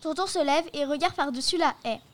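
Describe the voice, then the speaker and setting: A woman reads a children's story aloud in a lively, expressive storybook manner. Her voice sits fairly high and carries the first-person narration with animation. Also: fairly quick, background noise.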